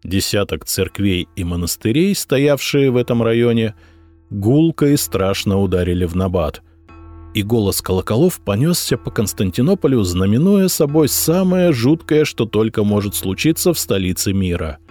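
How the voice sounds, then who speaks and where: A man narrating an audiobook expressively, rising in pitch on dramatic moments. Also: animated, moderate pace, a little mellow, soft background music.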